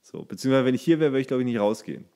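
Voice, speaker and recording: A man's voice: mid-range voice, lively intonation, racing, mellow. A man co-hosting a podcast in casual chat, joking and teasing, laughing at his own jokes. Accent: German. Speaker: podcast co-host.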